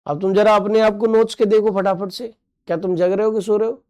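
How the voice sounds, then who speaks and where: A man leads an online exam-prep lesson in a high but mellow voice. He jokes along with students' comments, then drills terms by repeating them and asking quick questions. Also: level tone, clear, resonant tone. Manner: playful, joking with students' comments. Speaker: teacher.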